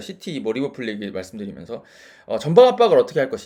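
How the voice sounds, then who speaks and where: A man speaks. His pace is very fast. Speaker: amateur football analysis YouTuber. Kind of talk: solo tactical review monologue. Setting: at home.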